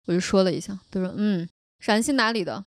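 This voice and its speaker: A young woman from Shaanxi telling a personal story in a casual podcast chat, animated and often laughing. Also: medium pitch, brisk, no echo, studio quality. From Shaanxi, China. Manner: animated, laughs often, frequent tag questions. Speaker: podcast host.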